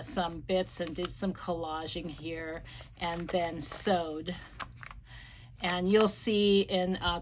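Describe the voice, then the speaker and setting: A woman with a fading, slightly hoarse voice chats her way through a crafting tutorial, full of ums and restarts. She speaks low and takes her time. Soft clicks sound faintly in the background. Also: slight background noise. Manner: rambling, many ums and restarts. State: losing her voice, slight cough. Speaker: craft channel host.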